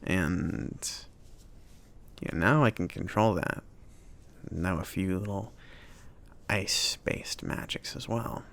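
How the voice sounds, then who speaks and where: A man playing a friendly, awkward mage who runs a magic shop, rambling and reassuring in a soft-spoken ASMR roleplay. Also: sits low, slow pace, creaky, long pauses, heavily acted. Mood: sheepish, reminiscing. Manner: rambling, hesitant, reassuring, with nervous chuckles.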